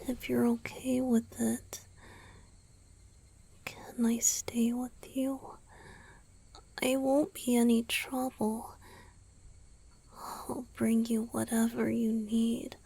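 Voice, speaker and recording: A woman voicing a tender, devoted young male vampire boyfriend in a soft, breathy whisper for a romantic ASMR roleplay. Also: on the high side, flat delivery, full character voice. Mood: anxious, pleading. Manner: slow, gentle, devoted, lingering pauses.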